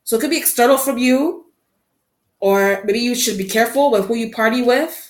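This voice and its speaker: A woman giving a tarot card reading to her viewers. She talks in a musing, halting way, repeats her phrases and often breaks off to exclaim. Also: a little high. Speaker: tarot reader. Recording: echoey room.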